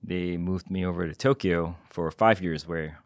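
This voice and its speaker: A middle-aged man giving interview answers in a measured, hesitant way, with many fillers. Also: sits low, no echo. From Singapore. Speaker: guest, tech executive. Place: podcast studio.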